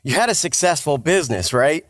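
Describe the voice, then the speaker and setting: A man's voice: fairly high pitch, lively intonation, brisk, fairly bright tone, no echo, studio quality. A middle-aged American man casually interviewing a guest as a podcast co-host. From United States, raised up north then moved to the South.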